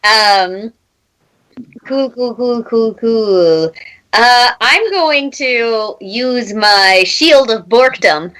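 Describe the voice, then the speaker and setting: A woman playing a tabletop roleplaying game, speaking in a theatrical, halting way and repeating words as she slips between casual talk and character. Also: fairly high pitch, fairly bright tone, rough recording.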